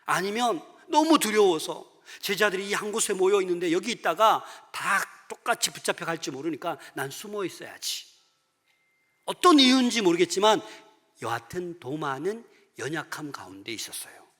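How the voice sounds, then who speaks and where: A man's voice: sits high, sing-song, moderate pace. Emphatic male pastor in a big reverberant church. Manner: emphatic preaching with swings between loud and hushed lines. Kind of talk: sermon. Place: church sanctuary.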